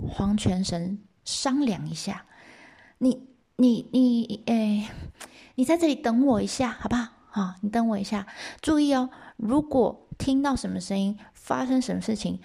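A woman voicing a grieving goddess wife trapped in the underworld, speaking high and pleading. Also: lively intonation, moderate pace, vocal fry, few pauses, warm tone, breathy edge, heavily acted. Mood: urgent warning.

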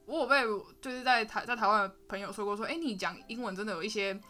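A woman's voice: mid-range voice, quick pace, pushed and bright. A young woman with a Taiwanese Mandarin accent hosting a casual interview, chatty and giggly with hesitant restarts. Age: young adult. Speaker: podcast host.

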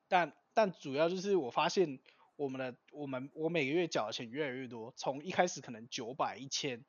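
A man co-hosting a podcast in casual chat, telling a story in a relaxed, rambling way full of fillers. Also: medium pitch, fairly quick, no echo. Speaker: podcast co-host. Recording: dry, slightly dull podcast audio.

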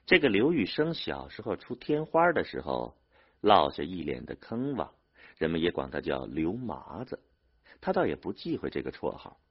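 A man narrating a novel as an expressive audiobook reader. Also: sits low, moderate pace, breathy edge. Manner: expressive storyteller. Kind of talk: dramatic audiobook reading. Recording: dull lo-fi audio.

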